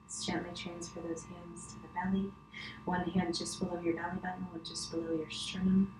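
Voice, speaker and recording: A middle-aged woman guiding a yoga class with gentle, unhurried, soothing cues and pauses. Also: on the low side, flat delivery, over music. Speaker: yoga instructor. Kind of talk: guided yoga instruction. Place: wood-panelled living room, indoors. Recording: roomy echo, clear background noise, distant camera.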